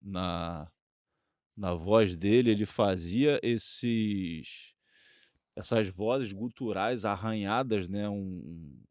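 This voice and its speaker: A man's voice: fairly low pitch, very slow, darkish tone, clear, resonant tone, dry recording, clean studio sound. A man with a Brazilian accent co-hosting a casual discussion, hesitantly restarting his phrases. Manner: hesitant, repeats phrase starts.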